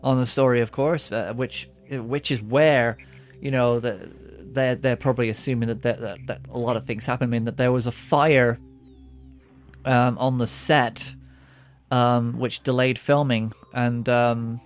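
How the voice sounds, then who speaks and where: A man's voice: mid-range voice, fairly even intonation, a little slow, a little hiss or hum. A man co-hosting a podcast, chatting casually with lots of fillers and restarts. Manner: rambling, many restarts and fillers. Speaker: podcast co-host. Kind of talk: casual chat.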